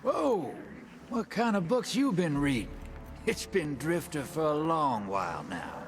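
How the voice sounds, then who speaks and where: Game casting: worldly-wise drifter, slangy and slow, lively pitch swings, over a music bed. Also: male voice, a little hiss or hum. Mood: wry, streetwise. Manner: folksy, slangy, unhurried. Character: roguish, worldly-wise male space drifter. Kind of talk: video game cutscene acting.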